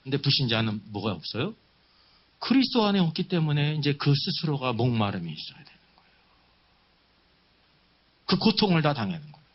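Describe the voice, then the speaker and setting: Male preacher, seminar sermon, highly varied intonation, emphatic, question-driven teaching, slightly muffled audio. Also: sing-song, a little fast, long pauses, husky. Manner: emphatic, repeats key phrases and checks with listeners. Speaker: preacher leading a Bible seminar. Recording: dull, muffled lo-fi sound.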